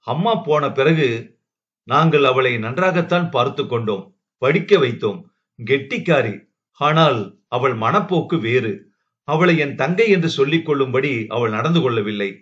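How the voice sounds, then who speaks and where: A man voicing a calm, trusting husband who speaks in a steady, reassuring way. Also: mid-range voice, moderate pace, natural voice. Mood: reflective. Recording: dull lo-fi recording.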